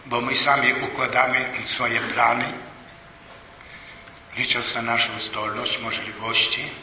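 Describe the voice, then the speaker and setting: A man delivers a sermon at an unhurried, weighty pace, his tone bright and slightly raised. He is heard from a distance in a large echoing church hall, the recording a bit dull with faint room noise behind. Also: mid-range voice, completely flat delivery. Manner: slow, emphatic preaching with rising and falling emphasis. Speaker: preacher. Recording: echoey hall, voice from far off.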